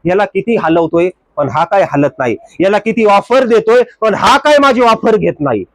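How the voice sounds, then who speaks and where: A man's voice: high-pitched, expressive, moderate pace, slight background noise. A man voicing a scheming, resentful male devil who grumbles and plots to himself in a sermon.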